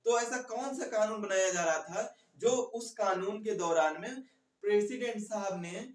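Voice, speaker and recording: Male coaching teacher, high pitch, didactic, repetitive phrasing, questions to students, roomy distant recording. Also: a little slow. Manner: didactic, repeats key phrases, poses questions to listeners. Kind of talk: explanatory online lecture to students. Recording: echoey room, distant mic.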